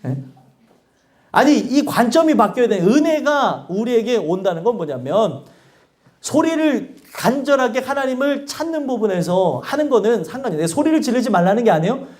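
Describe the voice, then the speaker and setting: A man's voice: very high-pitched, normal speed. A male pastor preaching a sermon in church, asking the congregation questions and acting out angry prayers. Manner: animated preaching with acted outbursts and rhetorical questions.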